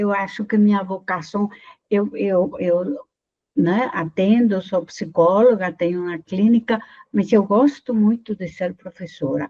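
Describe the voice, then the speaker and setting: Her voice is medium in pitch with a dark, mellow tone, and the woman speaks at a fairly slow pace with ordinary pitch variation in a dry, close sound with no echo. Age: 70s. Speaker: psychologist and teacher. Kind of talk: interview.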